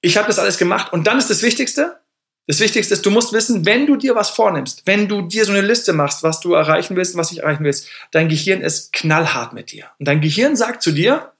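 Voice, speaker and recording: A man's voice: high voice, brisk, vocal fry. A man hosting a casual livestream, talking motivation and acting out the voices in his head as he thanks viewers. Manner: animated, thanks viewers for gifts mid-sentence; acts out inner voices in quoted asides. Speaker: livestream host.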